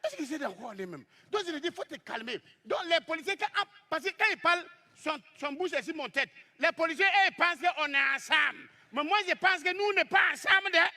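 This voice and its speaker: High, bright-voiced man doing stand-up. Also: fairly quick. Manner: lively, exclaiming, acts out scenes. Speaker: stand-up comedian. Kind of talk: stand-up storytelling.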